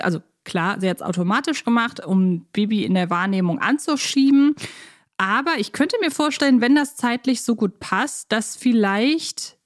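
A woman's voice: on the high side, dry recording, clean studio sound. A woman talking casually as the host of a fan podcast.

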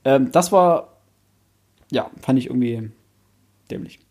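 A young man co-hosting a casual book podcast, talking in a playful, halting way and acting out examples. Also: mid-range voice, a little mellow. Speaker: podcast co-host.

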